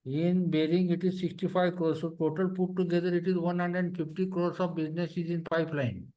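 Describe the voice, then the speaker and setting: A man's voice: on the high side, darkish tone, poor audio. A man with an Indian accent answering investor questions on an earnings call as a company executive, emphatic and repeating his phrases.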